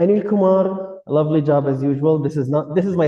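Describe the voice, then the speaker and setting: This man speaks with a Kuwaiti accent at a fairly quick pace. His pitch is fairly high and his intonation fairly even. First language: Arabic. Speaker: general evaluator at a public speaking club meeting. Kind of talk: meeting evaluation feedback. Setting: hybrid club meeting.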